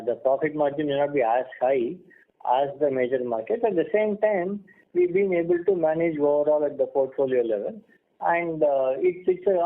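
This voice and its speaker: A man with an Indian accent answering analysts as a company executive on an earnings call, explaining in a halting way. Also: fairly high pitch. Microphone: telephone conference line. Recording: muffled phone-line conference call audio.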